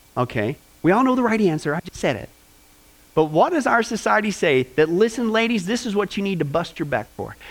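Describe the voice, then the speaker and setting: An animated tone from a man. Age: 40s. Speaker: pastor teaching a discipleship class. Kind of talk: bible study class.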